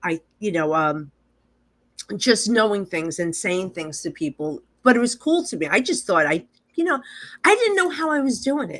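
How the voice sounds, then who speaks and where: A woman with a New Jersey accent and a medium pitch, animated in tone, at a moderate pace, with very wide pitch swings and long, frequent pauses. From New Jersey, Hoboken. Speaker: psychic medium and magazine publisher. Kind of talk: podcast interview.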